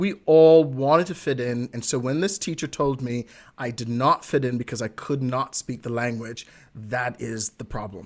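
A man's medium-pitched voice at a moderate pace with ordinary pitch variation, in a very clean recording with a silent background. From immigrant to Canada. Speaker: life coach and podcast co-host. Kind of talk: casual chat; podcast outro.

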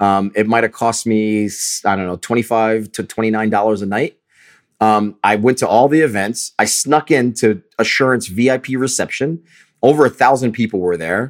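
At a moderate pace, a man with an American accent uses a normal speaking voice of medium pitch, recorded very cleanly with a silent background and a dry, close sound with no echo. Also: ordinary pitch variation. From US Northeast, Bridgeport, Connecticut. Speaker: venture capitalist and entrepreneur. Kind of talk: interview conversation. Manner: frequent fillers and repetitions.

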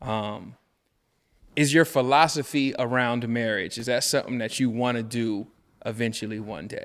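A man with an ordinary speaking voice at medium pitch, ordinary pitch variation and a moderate pace, in a very clean recording over a silent background. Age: 30s. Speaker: podcast co-host. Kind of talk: casual chat.

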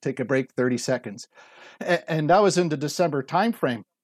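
A man talks at a moderate pace with lively intonation and fairly high pitch, in an unremarkable speaking voice. The sound is dry and close with no echo, over a quiet background. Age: 40s. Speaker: fitness program member. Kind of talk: interview, personal story.

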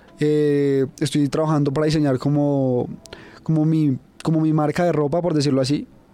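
With music in the background, a man with fairly high pitch talks at a moderate pace in a monotone, flat intonation. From Colombia, Chía (Cundinamarca). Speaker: rapper and university student. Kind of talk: casual interview. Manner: hesitant, many fillers.

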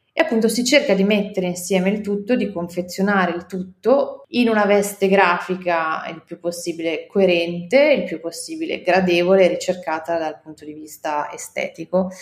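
An ordinary speaking voice at a moderate pace, hardly any pauses, ordinary pitch variation and big swings in loudness. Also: woman, medium pitch for a woman. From Romagna, Italy (province of Ravenna). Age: 30s. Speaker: food magazine editor. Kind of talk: podcast interview.

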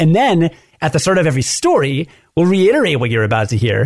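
A normal speaking voice at a fairly quick pace, with lively intonation. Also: man. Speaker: podcast co-host, former radio host. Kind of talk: casual interview.

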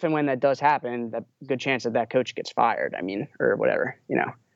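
The sound is dry and close, without any echo. A man talks at a fairly quick pace here. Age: 20s. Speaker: basketball writer. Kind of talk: casual chat. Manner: halting.

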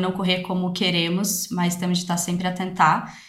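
Audible room echo surrounds a woman speaking at medium pitch and a moderate pace. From Brazil, Brasília. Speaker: brand strategist. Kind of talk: casual interview.

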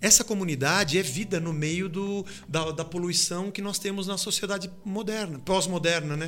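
A man's high-pitched voice at a moderate pace, with fairly even intonation and hardly any pauses. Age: 50s. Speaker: pastor and rock musician. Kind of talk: casual chat.

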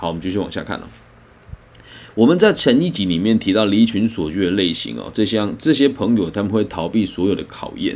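A plain, everyday voice from a man, fairly low in pitch with lively intonation. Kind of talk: book reading and commentary.

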